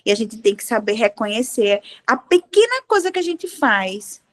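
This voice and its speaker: A woman with a high, bright-sounding voice shares her testimony in a relaxed devotional chat among women. She tells her stories animatedly and acts out the dialogue as she goes. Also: moderate pace. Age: adult with a child. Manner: animated storyteller, acting out dialogue. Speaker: devotional group participant.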